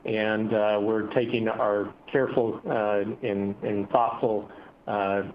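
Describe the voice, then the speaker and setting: A man speaking as a company executive, answering analysts on an earnings call in measured corporate phrasing with hesitant pauses. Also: on the low side, little pitch movement. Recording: dull, noisy conference call audio.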